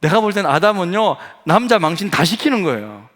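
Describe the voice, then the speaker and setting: A middle-aged man, a senior pastor, preaching a lively sermon in a church, teasing the congregation and acting out quoted voices. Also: sits high, fairly quick. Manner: animated, playful, acts out quoted voices, asks the congregation questions. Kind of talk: lively sermon with acted asides. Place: church sanctuary.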